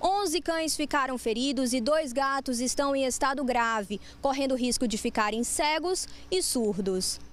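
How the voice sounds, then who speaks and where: Repórter de TV com voz aguda. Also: female voice, high-pitched, normal speed, hardly any pauses. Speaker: TV reporter. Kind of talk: news report voice-over.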